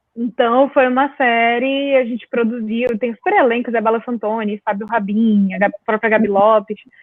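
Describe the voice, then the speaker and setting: A woman's fairly high voice with a strong Manaus accent, fairly even intonation and hardly any pauses. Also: moderate pace. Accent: Manaus accent, marked. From Manaus, northern Brazil. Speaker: screenwriter. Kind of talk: online live interview.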